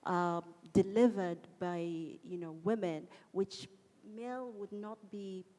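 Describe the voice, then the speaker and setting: A woman with a soft voice speaking hesitantly on a panel, into a handheld mic in a conference hall. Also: medium pitch, takes it slowly. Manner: hesitant, many fillers. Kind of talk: panel discussion.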